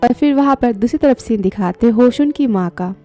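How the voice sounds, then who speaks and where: A woman's voice: a little high, animated, a little fast, dark tone, faint music behind. A woman narrating a drama plot recap, reading every character's lines in her own voice.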